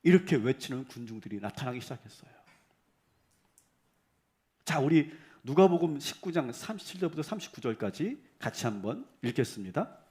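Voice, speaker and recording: A man, a pastor, preaching a sermon in a church and firing rhetorical questions at the congregation, sometimes rising to loud, emphatic cries. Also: a little high, lively intonation, brisk.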